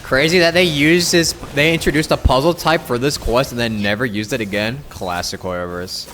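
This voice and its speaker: A man's voice: mid-range voice, moderate pace, fairly bright tone. A man giving casual live gameplay commentary as a streamer, wry and rambling. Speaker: game streamer. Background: game music.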